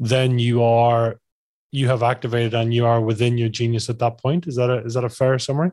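Speaking with an Irish accent at a fairly quick pace, a man keeps a dark, mellow tone and monotone, flat intonation on a very clean recording with a silent background. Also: medium pitch for a man. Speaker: podcast host. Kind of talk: interview conversation.

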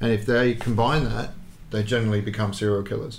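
A very fast, somewhat breathy man's voice, fairly low in pitch. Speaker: podcast host. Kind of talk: casual chat. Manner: monotone.

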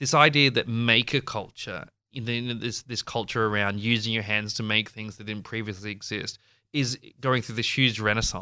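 A man with an Australian accent speaks at a moderate pace, his tone bright and sharp. Intonation stays fairly even while loudness swings a lot, in a very clean recording with a silent background. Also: medium pitch for a man. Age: 30s. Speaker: podcast host, tattoo artist. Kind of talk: casual interview chat.

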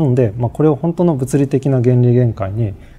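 Music plays in the background. A man at medium pitch talks at a very fast pace. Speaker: physics professor. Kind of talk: interview. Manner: hesitant, frequent fillers.

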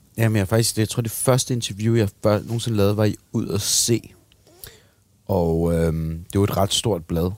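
A man speaks in an unremarkable speaking voice, fairly low in pitch, at a fairly slow pace with ordinary pitch variation. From Copenhagen, Denmark. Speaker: film director. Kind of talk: interview.

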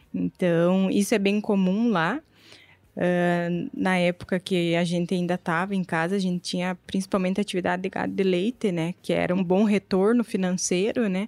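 A woman with an unremarkable speaking voice talks at a moderate pace in a medium pitch, her intonation fairly even. The sound is dry and close with no echo, on a very clean recording with a silent background. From southern Brazil, rural Rio Grande do Sul. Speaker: agronomist, seed researcher. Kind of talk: interview conversation.

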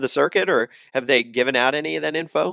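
On a very clean recording with a silent background, a man's bright, sharp voice shows vocal fry. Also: dry, close sound with no echo. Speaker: podcast host. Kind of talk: interview podcast conversation.

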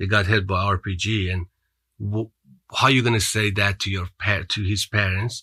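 On a very clean recording with a silent background, a man with a Persian accent speaks at a moderate pace in a bright, sharp tone with fairly even intonation. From Iran. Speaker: war veteran and business CEO. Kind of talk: podcast interview.

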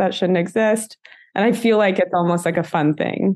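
A woman, using a normal speaking voice, keeps a moderate pace, a medium pitch and ordinary pitch variation. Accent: American. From Central California. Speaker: social media food reviewer. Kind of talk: casual interview.

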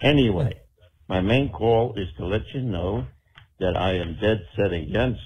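Somewhat breathy, fairly slow speech with an American accent and lively intonation. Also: man. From New Jersey. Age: 70s. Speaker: caller, longtime fan. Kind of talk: casual call-in. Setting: phone call.

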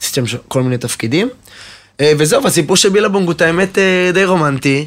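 On a very clean recording with a silent background, a man with an ordinary speaking voice talks at a fairly quick pace with lively intonation. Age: 30s. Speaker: marketing director. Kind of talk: interview. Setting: studio.

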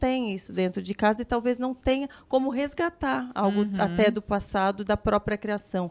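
The recording is very clean and the background silent. A woman talks with ordinary pitch variation. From Brazil, interior of São Paulo state. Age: 40s. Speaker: podcast host and former model. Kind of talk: casual chat.

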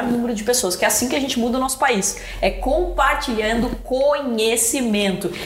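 Audible room echo, noticeable background noise, and lively intonation throughout. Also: woman. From interior of São Paulo state, Brazil. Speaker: podcast host and entrepreneur. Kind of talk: interview.

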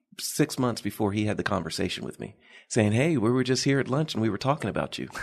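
Over a quiet background, a man with an American accent speaks at a medium pitch with vocal fry and lively intonation. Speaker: pastor. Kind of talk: testimony.

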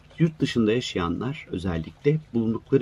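Talking at a fairly quick pace, a man has a fairly low pitch and lively intonation. His voice is somewhat breathy. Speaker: astrologer. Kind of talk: casual monologue to followers. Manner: quieter than usual.

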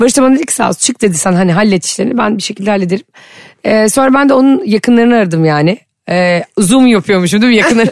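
Delivered at a very fast pace, the speech has lively intonation and very even loudness. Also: woman, fairly high pitch for a woman. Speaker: podcast co-host. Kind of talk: casual chat. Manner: animated.

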